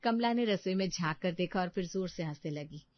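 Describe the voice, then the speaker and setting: A woman narrating a cartoon story in a steady storytelling manner. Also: lowish voice, a little fast, no echo, highs cut off.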